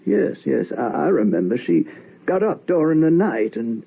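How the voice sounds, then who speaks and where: An actor playing a nervous, evasive middle-aged widowed father in an old-time radio drama, halting and stammering in agitation. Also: fairly high pitch, big pitch swings, gravelly, breathy edge, full character voice. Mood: weary, evasive. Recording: dull, noisy old radio recording.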